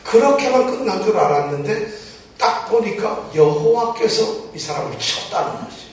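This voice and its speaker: A man's voice: high-pitched, lively intonation, moderate pace. A man preaching a Bible teaching sermon in a church, often putting questions to the congregation. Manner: poses rhetorical questions to the congregation. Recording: very echoey church hall, mic far off.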